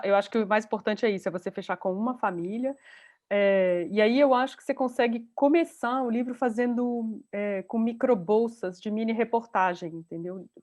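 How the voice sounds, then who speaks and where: A woman's voice: a little high, darkish tone. A woman teaching an online journalism class over a video call, talking in a chatty way and thinking aloud. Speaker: journalism course instructor.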